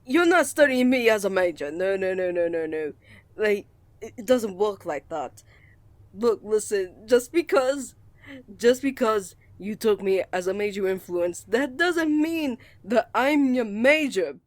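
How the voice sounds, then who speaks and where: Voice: mid-range voice, animated, a little slow, no room sound, lightly acted. A voice actor playing a shy, flustered male college student in love, stammering, earnest and courteous, in a romantic ASMR roleplay. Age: young adult.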